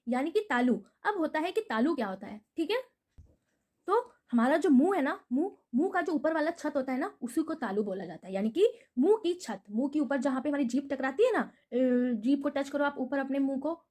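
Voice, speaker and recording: A woman's voice: high-pitched, animated, normal speed, a little mellow. A woman teaching Hindi grammar in a video lesson, patiently repeating memory tricks and asking rhetorical questions before answering them.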